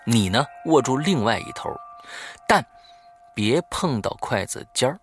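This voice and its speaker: A man voicing a seventh-grade schoolboy who gives hushed, eerie warnings during a ghost-summoning game. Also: mid-range voice, very animated, a little slow, soft background music. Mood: urgent.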